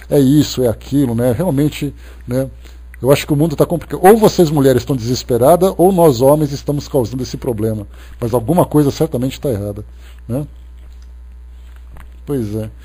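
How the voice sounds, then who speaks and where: A Brazilian man with a Brazilian Portuguese accent giving a spiritist talk, reading viewer comments aloud and answering them in a relaxed, conversational way full of "né" tags. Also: medium pitch, husky. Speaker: spiritist lecturer.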